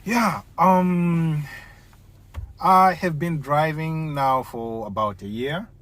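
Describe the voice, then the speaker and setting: A man's voice: a little high, takes it slowly, fairly bright tone. A man from Tanzania chatting casually and informally as a host, with an exclamatory way of talking. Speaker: host, fellow taxi driver. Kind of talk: casual chat.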